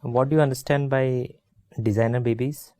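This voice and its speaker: A man's voice: medium pitch, steady tone, normal speed, dark tone, no echo. A man on an interview panel, asking brief probing questions.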